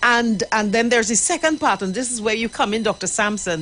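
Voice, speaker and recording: Behind the voice, music plays. Words come at a fairly quick pace. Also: woman. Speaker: radio host. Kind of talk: radio talk show discussion.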